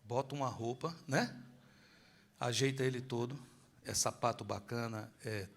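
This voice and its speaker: A man's voice: mid-range voice, measured pace, gravelly. A middle-aged man, preaching a sermon as pastor, quizzing his congregation with rhetorical questions and telling stories.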